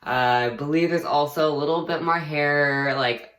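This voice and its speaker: A man's voice: a little high, fairly even intonation, normal speed, a bit bright. A young man vlogging a casual personal update, rambling and chatty with lots of fillers and easy laughter. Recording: echoey room.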